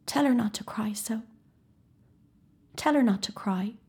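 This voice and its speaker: A woman voicing a delirious, frightened young boy who pleads excitedly. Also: on the high side, unhurried, breathy edge, pitched above the performer's own voice, heavily acted. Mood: faint.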